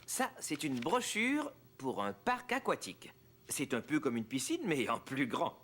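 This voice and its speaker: Animated, kindly cartoon dad. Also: mid-range voice, unhurried, a little hiss or hum. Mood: gentle. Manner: gentle, upbeat, encouraging. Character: kind, cheerful father of small children. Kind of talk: cartoon dub acting.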